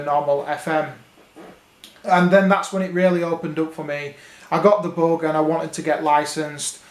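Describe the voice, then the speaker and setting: A British man talking casually to viewers, explaining things as a radio hobby vlogger. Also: high voice. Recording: roomy, echoing indoor sound.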